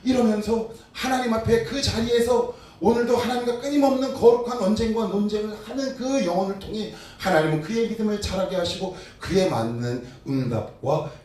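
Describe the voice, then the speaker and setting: A male pastor preaching a sermon, asking his congregation rhetorical questions and swinging between loud and soft. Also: on the high side. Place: church sanctuary. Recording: very echoey hall, distant mic, faint noise.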